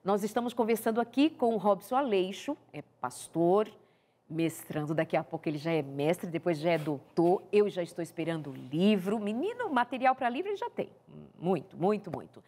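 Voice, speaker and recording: A woman from Brazil hosting a faith-based talk show, interviewing a pastor in an animated, warm way. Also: fairly low pitch, normal speed. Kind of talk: devotional talk show conversation.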